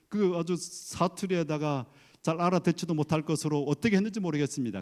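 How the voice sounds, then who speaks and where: A man talks at a moderate pace in a high voice with ordinary pitch variation. The recording is very clean and the background silent. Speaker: pastor. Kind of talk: sermon.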